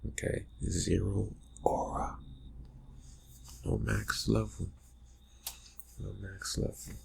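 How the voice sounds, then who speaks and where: A man playing a brooding, distracted vampire friend in an ASMR roleplay, murmuring in halting, husky phrases that trail off. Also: level tone, exaggerated voice. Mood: casual, teasing. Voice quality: breathy, husky, gravelly low murmur. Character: brooding, distracted young male vampire friend, slyly teasing. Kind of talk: ASMR roleplay, improvised soft talk to the listener.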